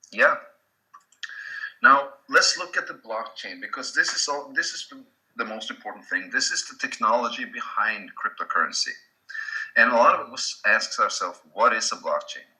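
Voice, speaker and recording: A man with a Swedish accent, a native Swedish speaker, giving a casual slide presentation with halting restarts. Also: mid-range voice, sharp tone, low-quality recording. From Sweden.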